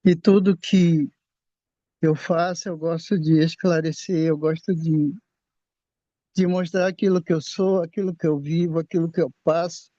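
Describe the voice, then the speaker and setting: A man in his sixties from Brazil, telling his own faith testimony in a halting way, often repeating and restarting his words. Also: on the high side, steady tone, mellow, dry recording. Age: 60s. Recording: dull lo-fi sound.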